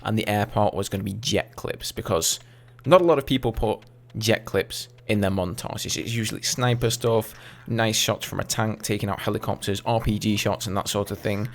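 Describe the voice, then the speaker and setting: A man in his twenties with an English accent, casually answering viewer questions over gameplay footage in a relaxed, chatty way. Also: on the low side, normal speed, vocal fry. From England. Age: 20s. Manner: chatty, relaxed, with fillers and asides. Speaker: gaming YouTuber.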